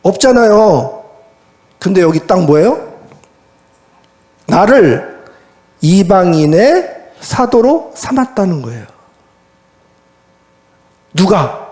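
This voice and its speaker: A male pastor preaching a sermon at a church service in a lively, colloquial way, often asking the congregation rhetorical questions. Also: high-pitched, slow pace, pauses often.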